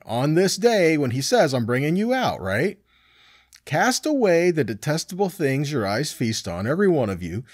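A man's voice: a little high, no echo, studio quality. A middle-aged man teaching scripture conversationally, emphatic, posing rhetorical questions and checking in with his listeners. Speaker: Bible teacher. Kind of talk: conversational scripture teaching, reading verses and explaining.

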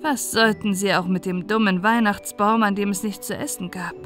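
Narrating a scripted storybook tale in bedtime audiobook style, a woman reads for relaxation and sleep over background music. Her mid-range voice is a bit bright, at normal speed with fairly even intonation.

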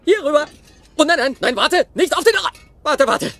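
An actor playing a battered, crazy robot scrounger in a children's audio play, cheeky, excitable and chattering. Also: male voice, very high-pitched, moderate pace, background noise. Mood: flustered. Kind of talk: film dub acting in children's audio play.

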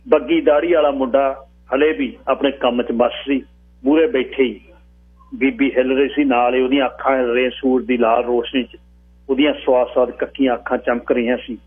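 Husky male storyteller over tinny radio. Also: medium pitch, fairly quick. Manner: steady, expressive storytelling. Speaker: radio host and story reader. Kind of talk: narrating a short story on radio. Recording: tinny phone-like radio broadcast.

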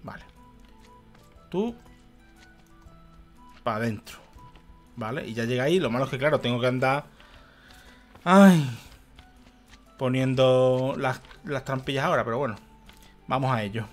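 A young man talks through a video game session, grumbling, swearing and muttering to himself as things go wrong. His voice sits at a middle pitch. Faint music plays underneath. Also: measured pace, long pauses. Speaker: gaming youtuber. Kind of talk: let's play commentary.

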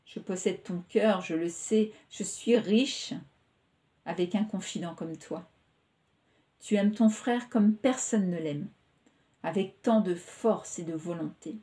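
A woman's voice: fairly low pitch, takes it slowly, mellow. A woman reading the part of an emotional young woman who pours out her affection in a pleading, impulsive way, in a storybook reading. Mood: pleading, tender.

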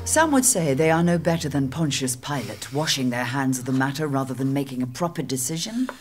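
A woman playing a shrewd, disdainful medieval queen in an audio drama, with a husky voice and a wry, regal manner. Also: very deep voice, expressive, brisk, over music.

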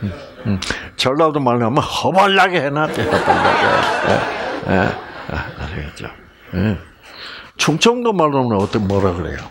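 A man's voice: fairly low pitch, wildly swooping pitch, normal speed, gravelly, heavy background noise. A middle-aged man giving a health lecture, asking his audience questions and joking with regional sayings.

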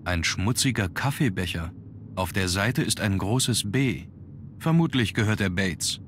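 An actor voicing a young nobleman hero in a game dub, measured and earnest. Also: fairly low pitch, expressive, a little hiss or hum. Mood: calm.

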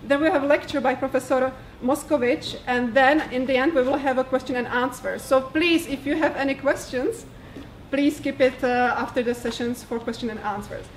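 A young woman with a Czech accent introduces a lecture in a small hall. Her voice sits high and she rushes along, stumbling over fillers, with faint room noise behind. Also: steady tone. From Czech Republic. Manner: fast-talking with many fillers. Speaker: event organizer.

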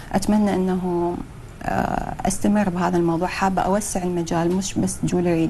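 Young Iraqi woman, hesitant and quick. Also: fairly low pitch, vocal fry, mellow, slight background noise. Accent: Iraqi Arabic. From Iraq. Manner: hesitant, many fillers, mixes in English phrases. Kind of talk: TV studio interview. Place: TV studio.

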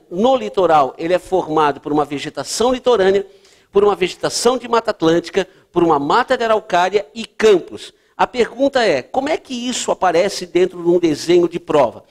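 A man teaching geography for a test-prep course, explaining at a board and checking in often with his students. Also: sits high. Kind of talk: lecture at a board.

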